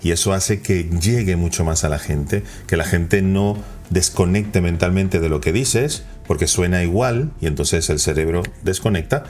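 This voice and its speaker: Deep-voiced man coaching on persuasion. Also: moderate pace, hardly any pauses. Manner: lively, varies pitch and pace for emphasis. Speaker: communication coach. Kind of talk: instructional talk on persuasion.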